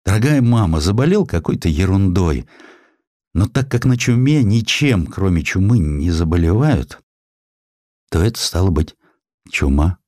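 A man voicing a dying young student's earnest, resolute farewell letter in an audiobook, solemn and measured. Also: deep voice, lively intonation, a little mellow, no echo, studio quality.

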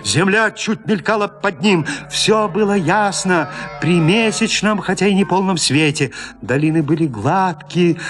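A man narrating a classic tale in a radio drama, telling it in an expressive, dramatic way. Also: high-pitched.

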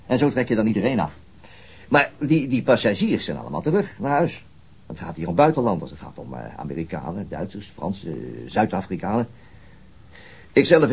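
A man's voice: sits low, a little mellow, breathy edge, exaggerated voice. A man playing a methodical middle-aged police detective and father in a naturalistic radio drama, dryly reasoning things through.

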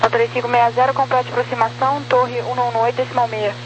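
A woman's voice: fairly high pitch, little pitch movement, quick pace, over music. A Brazilian woman working as an air traffic controller, giving procedural instructions over the radio. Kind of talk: radio instructions in set phraseology. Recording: noisy, humming radio channel.

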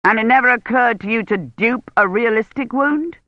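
A woman's voice: a little high, moderate pace, dry recording, pitched above the performer's own voice, lightly acted. A woman reading a novel aloud, voicing a protective, anxious older male academic who talks in a worried, sharply reproachful way. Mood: angry. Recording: dry, slightly dull lo-fi recording.

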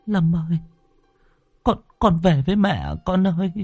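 A man's voice: high-pitched, expressive, measured pace, a little mellow, dry recording, soft background music, voice pushed up. A man doing a stammering, pleading grieving mother. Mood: pleading, anxious. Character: grieving middle-aged mother, a spirit medium.

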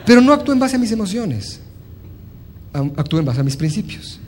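A man's voice: high voice, a little fast, a little hiss or hum. A man giving a motivational talk on leadership, telling stories with lots of fillers and restarts. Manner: animated storytelling, acting out dialogue, frequent fillers. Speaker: motivational speaker.

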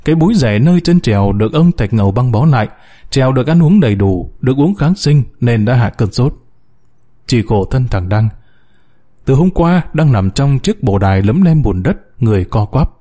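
Man, story narrator, dramatic, mellow tone, lively pitch. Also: normal speed. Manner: dramatic, expressive.

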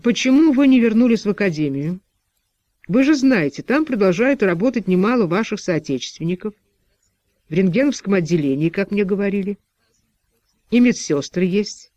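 A stern postwar official presses his questions in an insinuating tone, voiced by a man reading the story. The voice sits fairly high and sounds dry and close. The sound is a bit dull. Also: expressive, normal speed, a little mellow, dry recording. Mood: pressing.

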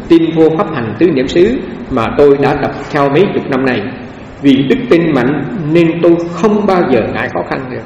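A man, a Buddhist monk giving an animated storytelling Dharma talk and translating, who often repeats words as he searches for them. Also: on the high side, highs cut off. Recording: echoey hall, picked up from far off, faint background noise.

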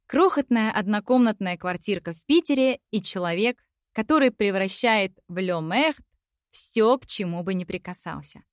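A woman reads a first-person novel aloud in a reflective, wry tone. Her voice sits at a middle pitch. The recording is dry and close, with no room sound. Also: no room sound. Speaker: audiobook narrator. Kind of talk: first-person literary narration.

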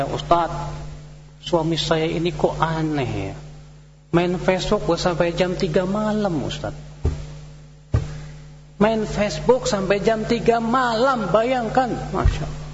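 Guy preaching, fairly high voice, dull echoey hall tape w faint music. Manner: lively storytelling with acted-out quotes. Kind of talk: sermon.

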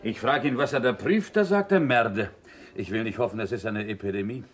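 An actor playing a fretful, devout Jewish butcher in prison in a radio play, with Yiddish-inflected German and a plaintive singsong. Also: male voice, fairly low pitch, brisk, lightly acted. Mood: puzzled. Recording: hissy, clicky 1970s radio recording.

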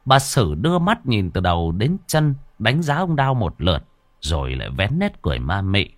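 A male storyteller narrates a ghost tale with dramatic flair. His pitch moves across a very wide range. The recording sounds close and dry. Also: huge pitch swings, moderate pace, no room sound.

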